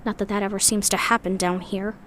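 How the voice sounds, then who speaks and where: A woman's voice: medium pitch, flat delivery, brisk, fairly bright tone, a little hiss or hum, lightly acted. A woman playing a weary, loyal member of a sci-fi underground community in an audio drama, speaking in a reflective, earnest way. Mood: sad, earnest.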